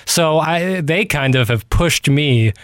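A man's voice: a little high, animated, slow, fairly bright tone, no echo. Male, radio producer and co-host, casual banter, self-deprecating, tongue-in-cheek earnestness, dry close mic. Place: radio studio. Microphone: close studio microphone.

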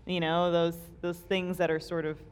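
A woman's voice: fairly low pitch, little pitch movement, normal speed, a little mellow, clear, resonant tone. A woman in her thirties co-hosting a live podcast, chatting in a loose, self-deprecating way with many fillers. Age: 30s. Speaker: podcast co-host. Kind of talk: casual chat before a live audience.

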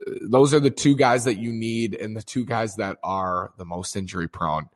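A man with a slightly low, hoarse voice, worn out from screaming at a game. He talks loosely and off the cuff, filling gaps with ums and circling back mid-sentence as he sorts through the day's game. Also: moderate pace. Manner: rambling, many fillers and restarts. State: strained voice from screaming. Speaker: sports commentator. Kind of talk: casual baseball recap.

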